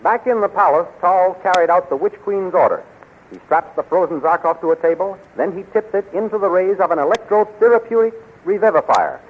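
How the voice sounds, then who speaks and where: A tinny, noisy 1930s radio recording of a male announcer. His high voice delivers formal, dramatic serial narration in a declamatory style. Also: expressive, a little fast.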